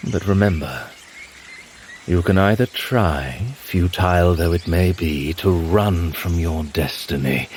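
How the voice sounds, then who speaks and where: An actor playing a sly, grandiose, century-old mutant villain in an audio drama, with pompous, silky, drawn-out persuasion. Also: male voice, very deep voice, a little hiss or hum, exaggerated voice. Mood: ominous.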